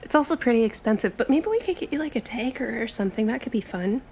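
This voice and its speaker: A woman's voice: a little high, expressive, quick pace, darkish tone, a little hiss or hum. A woman playing an eager, chatty young traveler in a tabletop roleplay, with gushing, informal, stop-start chatter. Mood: friendly, bubbly.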